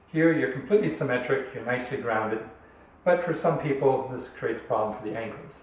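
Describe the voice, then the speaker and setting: Music plays in the background as a man speaks very fast with ordinary pitch variation, his voice carrying audible room echo. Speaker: yoga teacher. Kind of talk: guided meditation and instruction. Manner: gentle, instructive. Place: home room. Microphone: camera far.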